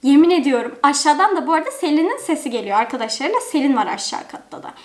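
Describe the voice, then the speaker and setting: A young woman tells a personal story in a chatty, expressive way, packed with fillers. Her voice is high and swings widely in pitch. A roomy echo of an indoor room surrounds her. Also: rapid-fire. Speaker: storytime vlogger. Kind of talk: casual storytelling.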